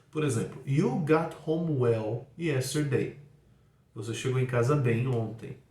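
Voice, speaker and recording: A man with a Brazilian Portuguese accent, teaching an English lesson and saying example sentences slowly and clearly. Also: medium pitch, a little mellow, far from the mic. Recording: echoey room, voice off-mic.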